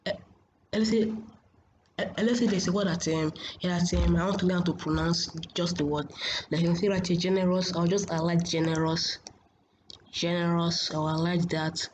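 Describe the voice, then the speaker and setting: A woman giving a casual software tutorial in a hesitant, repetitive, halting way, as a host. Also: on the low side, steady tone. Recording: muffled, noisy home screen recording.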